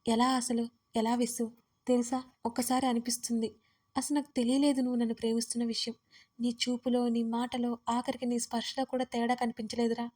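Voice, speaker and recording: A remorseful young woman pours out her feelings in soft, tearful tones, read by a female storyteller. Her voice sits fairly high. It keeps a narrow, steady melody. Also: fairly quick, close to an everyday voice. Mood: heartfelt. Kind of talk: audio story reading.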